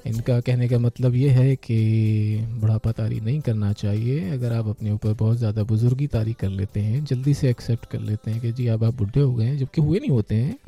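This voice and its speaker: A man's voice: medium pitch, vocal fry, mellow. A man hosting an online radio show, chatting casually and affectionately with listeners, often laughing and slipping into English. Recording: faint music underneath.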